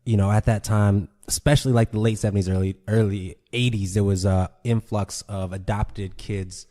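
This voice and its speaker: A man in his thirties from Colorado, a guest on a podcast, explaining his background in a relaxed way and saying "you know" often. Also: fairly low pitch, normal speed. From Boulder, Colorado. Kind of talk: casual interview storytelling.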